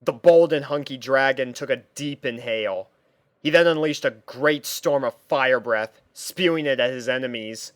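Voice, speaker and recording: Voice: medium pitch, normal speed, no echo. A narrator reading a story aloud from a script. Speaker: fan fiction reader and narrator.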